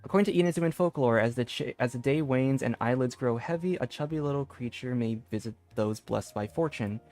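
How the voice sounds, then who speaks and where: A man's voice: mid-range voice, a little fast. A man livestreaming a game, chatting casually and reading bits of on-screen text aloud. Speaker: game streamer. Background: soft game music.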